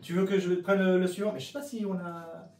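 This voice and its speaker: A man's voice: sits high, fast. A man hosting a casual Christian youth show, chatting with many fillers and reading Scripture aloud. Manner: animated, hesitant with many fillers. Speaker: youth ministry host. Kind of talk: casual chat and Bible reading. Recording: roomy sound from a distance.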